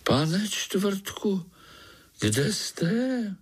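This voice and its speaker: A man's voice: mid-range voice, animated, lightly acted. A man voicing a small, timid young male spider with a thin, polite little voice.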